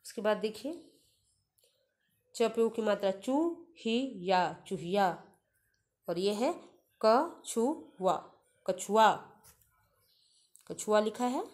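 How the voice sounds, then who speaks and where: Woman teacher doing a kids' reading lesson, sounds out every syllable slowly and patiently, mid pitch. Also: a little mellow. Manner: slow, patient, spelling out each syllable before saying the whole word. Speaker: primary school Hindi teacher. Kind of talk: online class lesson, reading words aloud syllable by syllable.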